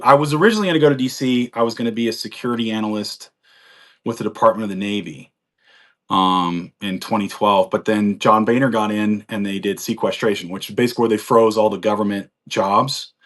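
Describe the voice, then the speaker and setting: His voice fairly low and fairly bright, a man from the United States in his forties talks a little fast as he recounts his life on a live chat. The conversation is loose and chatty, full of laughs.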